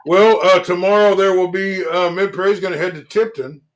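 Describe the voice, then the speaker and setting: Guy on a sports talk show, kinda higher voice, lots of uh and um, easygoing. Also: fairly quick. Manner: relaxed, lots of fillers and restarts. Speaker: sports radio host.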